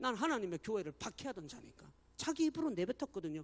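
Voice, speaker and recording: A man speaks with very wide pitch swings. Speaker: senior pastor. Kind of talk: sermon. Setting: church, Friday prayer meeting.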